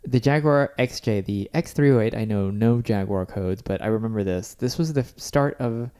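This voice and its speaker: A man's voice: lowish voice, moderate pace, warm tone, clear, resonant tone. A man co-hosting a casual podcast, chatty and wry, often trailing off mid-sentence. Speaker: podcast co-host. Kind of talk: casual chat.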